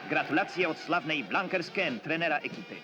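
A man narrating a 1960s newsreel sports report, announcing results and times in crisp, clipped phrases. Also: a little high, lively intonation, moderate pace. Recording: old newsreel soundtrack with loud music underneath.

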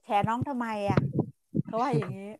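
Blunt and ranting, this middle-aged woman from Thailand hosts a laid-back livestream, swearing without restraint and drawing out polite endings for emphasis. She speaks at a moderate pace in a slightly high voice, on a low-quality recording with no room sound.

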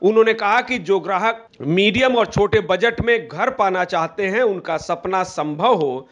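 A man with a high voice reads a news report. He speaks in a formal, measured way. The voice-over is clean and close. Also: a bit bright. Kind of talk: scripted news narration.

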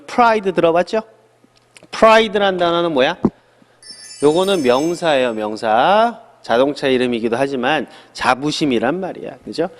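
A middle-aged man teaching an English lesson in a studio, lively and chatty, asking questions and answering them himself. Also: on the high side, long reverb tail. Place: small studio.

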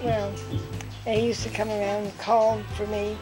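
Older woman, lively storyteller. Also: medium pitch, moderate pace, soft background music, poor audio. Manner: lively storyteller who acts out quotes with laughs. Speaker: interviewee. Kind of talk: recounting life memories.

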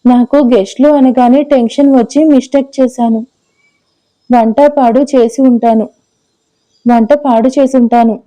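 A timid young wife, apologetic and pleading in an audio story, as a woman narrator voices her. Her voice is slightly high and mellow, and she speaks softly and humbly. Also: steady tone, measured pace, close to an everyday voice, poor audio.

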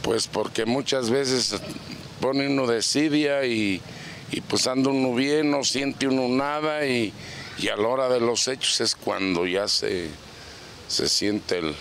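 An older man with a Mexican Spanish accent, answering a street interview outdoors into a handheld mic in a plain-spoken, halting way. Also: medium pitch, fairly bright tone, a little hiss or hum. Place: outdoor plaza. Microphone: handheld reporter mic.

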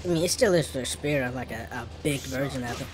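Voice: medium pitch, quick pace, very noisy. A gaming streamer with an African American English accent, giving casual gameplay commentary.

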